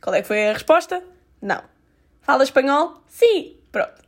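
A young woman from Portugal tells a story to her viewers in a loose, chatty vlog style. Her European Portuguese accent is full of slang and tossed-in English fillers, and she pokes fun at herself as she goes. Her voice sits a little high. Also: sing-song, moderate pace. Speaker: vlogger. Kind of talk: casual storytelling to camera.

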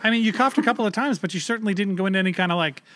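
High-voiced casual podcast guy. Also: rapid-fire, a bit bright. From Canada. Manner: loose, swearing, rambling with many fillers. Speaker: podcast co-host.

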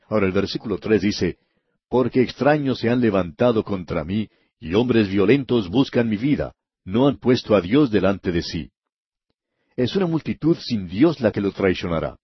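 Male radio Bible teacher, low husky voice, dry lo-fi studio sound, measured and emphatic delivery. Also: no echo. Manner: measured, emphatic, slows down to stress key words. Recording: dull, slightly lo-fi broadcast audio.

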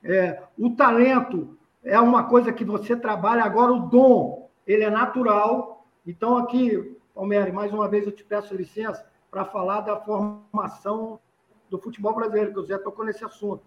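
Male pundit from Recife, high voice, repeats points, dull lo-fi room sound. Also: steady tone, moderate pace. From Recife, Brazil. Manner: explanatory, repeats points for emphasis. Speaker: football pundit. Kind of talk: casual panel discussion. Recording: dull lo-fi roomy recording.

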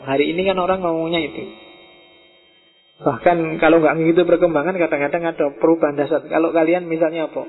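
A middle-aged man giving a relaxed, conversational philosophy lecture to students and slipping into Javanese words. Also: fairly high pitch, quick pace, slightly rough. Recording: tinny phone-like audio in a reverberant hall.

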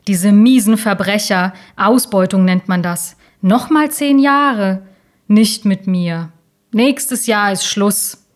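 A woman's voice: mid-range voice, takes it slowly, lightly acted. A woman voicing a grumpy, lonely man who rants at the news. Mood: ranting. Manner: grumbling, ranting. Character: grumpy lonely male shut-in.

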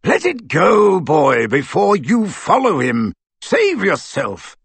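Man acting a gruff, bitter old wizard, raised pitch. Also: big pitch swings, measured pace, no echo, full character voice. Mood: harsh, urgent. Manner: rough, terse, scornful.

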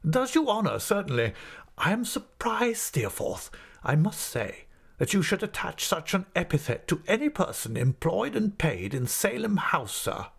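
A man's voice: sits high, sing-song, normal speed, gravelly, husky, pitched above the performer's own voice, full character voice. A man voicing an irascible, pompous school principal in an audiobook, full of sarcastic politeness and whispery menace. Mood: indignant, pompous. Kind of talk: audiobook character acting.

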